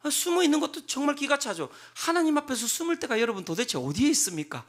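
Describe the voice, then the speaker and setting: A man preaching a revival sermon as pastor, acting out biblical speakers in dramatic voices and rising to loud emphasis. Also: extremely high pitch, big pitch swings, fast. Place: church sanctuary.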